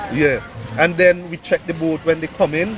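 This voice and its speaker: Crowd noise runs in the background. A man with a fairly high voice speaks at a moderate pace. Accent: Vincentian. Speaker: taxi driver. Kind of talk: street interview.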